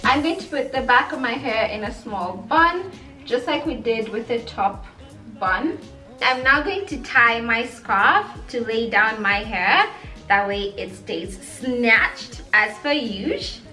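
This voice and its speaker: A woman's voice: on the high side, lively intonation, slow, bright, forceful tone. A young woman chatting through a hair tutorial vlog, playful and sassy with giggly asides. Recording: echoey room with faint music.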